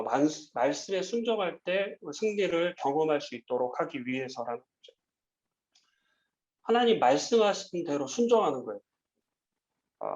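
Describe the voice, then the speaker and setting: A man's voice: fairly high pitch, muffled recording. Man teaching a children's Bible lesson. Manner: gentle, asks the children questions, frequent "uh" fillers. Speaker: Sunday school teacher.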